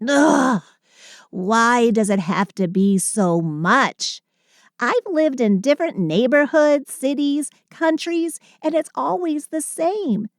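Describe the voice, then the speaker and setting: A woman's voice: on the high side, no echo, clean studio sound. A woman playing a short, sulky but affectionate Christmas elf in an intimate audio roleplay, with dramatic sighing complaints and fond endearments. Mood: weary, exasperated.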